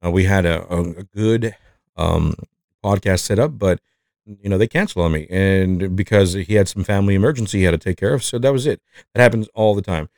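Man, low voice, mexican accent, rambling podcast host, dry sound. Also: fairly quick, creaky, darkish tone, no room sound. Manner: rambling, self-reflective, many fillers and restarts. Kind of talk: casual podcast chat.

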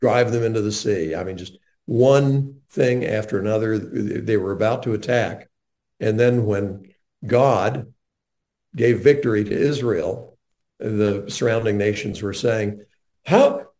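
Earnest older male radio host, mellow tone. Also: lowish voice, a little slow. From North Carolina, USA. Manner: earnest, animated storyteller.

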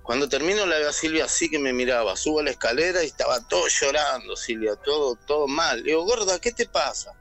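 Animated Argentine caller telling a story. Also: male voice, medium pitch, fast talker, vocal fry, hardly any pauses, faint music behind. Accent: Argentine Spanish. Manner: animated storyteller, acts out quoted voices. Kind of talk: telling a personal story on air.

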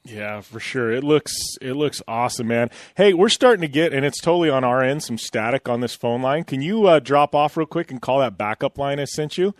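A man's voice: mid-range voice, animated, fairly quick, hardly any pauses, dry recording, studio quality. A man hosting an interview, asking long rambling questions in a friendly, chatty way and calling the guest "man" and "dude". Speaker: show host. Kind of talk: casual interview chat.

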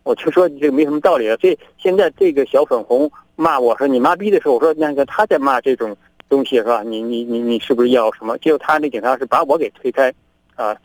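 A middle-aged man from China, a guest on a remote link, telling events in a lively way and acting out both sides of each argument. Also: medium pitch, quick pace, no echo, poor audio. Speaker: interview guest, activist. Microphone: remote connection.

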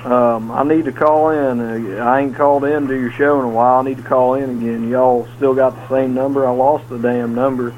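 A man's voice: mid-range voice, fairly even intonation, brisk, hardly any pauses. A man leaving a casual, rambling, informal message over the phone. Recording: tinny phone line, faint noise.

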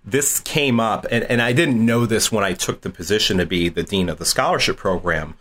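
A man from southeastern Massachusetts, a college dean and interview guest, telling animated stories, laughing often and repeating words. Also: lowish voice, fairly quick. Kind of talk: casual interview storytelling.

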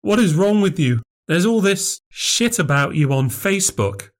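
A man putting on a distressed woman who pleads and accuses in a raised, strained voice, her pitch pushed well above his own. She sounds hurt and insistent, pressing for an answer with rising urgency. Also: big pitch swings, a little slow. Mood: angry, hurt. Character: upset, anxious adult woman confronting her sister.

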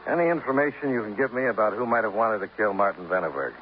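A man's voice: on the low side, animated, quick pace, lightly acted. A man playing a terse, dry insurance investigator who narrates and questions in 1950s radio drama style on an old recording. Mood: probing. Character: hard-boiled male insurance investigator, dry. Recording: tinny old radio transcription, faint hiss.

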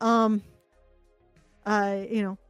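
A woman co-hosting a podcast, chatty and lively in casual talk. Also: mid-range voice, very slow, smooth, no echo, faint music behind. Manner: chatty, lively, giggles often. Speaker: podcast co-host. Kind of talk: casual chat.

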